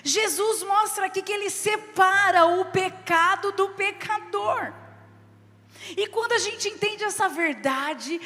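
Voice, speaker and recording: A woman with a Brazilian Portuguese accent preaches a sermon in a high, bright voice. She reads scripture aloud, then explains it with stories from her own family. Her voice rings through a reverberant church hall with soft music behind it. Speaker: bishop preaching.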